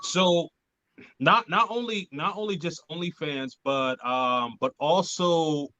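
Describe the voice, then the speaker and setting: A man hosting a casual money talk show, speaking haltingly with many fillers and restarts. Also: fairly high pitch, pushed and bright, dry recording. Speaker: podcast host. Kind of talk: casual panel chat. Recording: dull, dry lo-fi audio.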